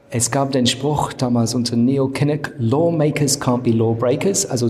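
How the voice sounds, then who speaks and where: Noticeable background noise accompanies a man speaking at a medium pitch with an English accent. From London, England. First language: English (speaking German). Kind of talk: interview.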